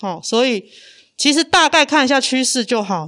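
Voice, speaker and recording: The speaker has a Taiwanese accent, heard against a quiet background. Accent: Taiwanese Mandarin. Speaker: podcaster. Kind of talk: live talk to an audience. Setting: stage with audience in an open meeting room. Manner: earnest, sincere-sounding.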